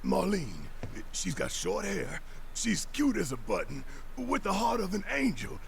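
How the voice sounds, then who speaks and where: An actor playing a big, gruff, anxious father in a video game, forceful and tender about his little girl, with a gravelly voice. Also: high voice, wildly swooping pitch, slight background noise, full character voice. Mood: sheepish, tender. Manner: forceful, emotional, halting when tender.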